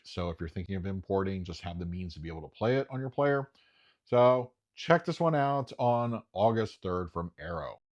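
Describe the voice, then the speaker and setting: Chatty, enthusiastic man with a lowish voice. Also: darkish tone. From United States. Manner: chatty, enthusiastic, frequent uh fillers. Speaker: home video reviewer. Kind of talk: casual solo commentary.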